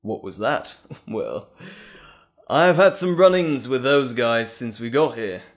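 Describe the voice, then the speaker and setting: Evil alter ego villain, gloating n mocking, super theatrical, drags words out, voice swings all over. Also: male voice, mid-range voice, animated. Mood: amused, impressed. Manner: mocking, drawn-out, theatrical delivery with chuckles. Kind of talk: dramatic audio roleplay.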